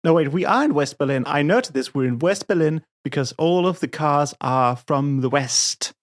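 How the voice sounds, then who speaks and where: A woman co-hosting a comedy podcast, talking through a film in a rambling, irreverent way with quick asides. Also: low voice, expressive. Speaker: podcast co-host. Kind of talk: casual comedic chat about a film.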